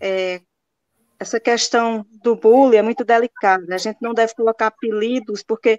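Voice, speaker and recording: A woman's fairly high voice at a moderate pace, ordinary pitch variation, and a dry, close sound with no echo. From Brazilian Northeast, Sertão of Pernambuco. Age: 40s. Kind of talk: casual interview.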